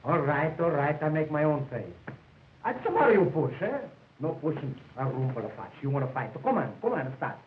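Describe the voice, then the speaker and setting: A wisecracking hustler, early talkie film. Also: male voice, on the high side, sing-song, brisk. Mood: brash. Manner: wisecracking, pushy, broken English. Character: brash broken-English male hotel hustler. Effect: early talkie film soundtrack. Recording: tinny, echoey early sound film with hiss.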